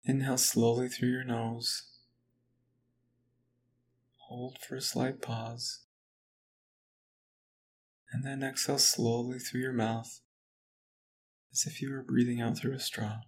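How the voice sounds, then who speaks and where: A man guiding a progressive muscle relaxation exercise, speaking slowly and calmly in an even, instructive way. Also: mid-range voice, a little hiss or hum. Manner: slow, calm, even instruction. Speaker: relaxation guide. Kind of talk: guided relaxation script.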